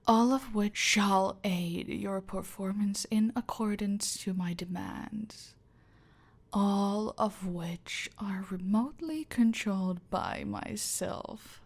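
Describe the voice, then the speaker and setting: In an ASMR roleplay, a woman plays a domineering female cartel boss who whispers her threats softly and close to the mic. Her mid-range voice is gravelly with vocal fry, and she drags out each word slowly to keep the listener under her control. The effect is silkily menacing, deliberate and controlling.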